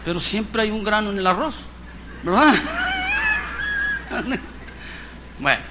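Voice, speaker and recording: A middle-aged man with a Mexican accent preaching a sermon, acting out dialogues in an animated way. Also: high-pitched, a little fast, noisy background. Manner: animated, acts out dialogues in voices. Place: church.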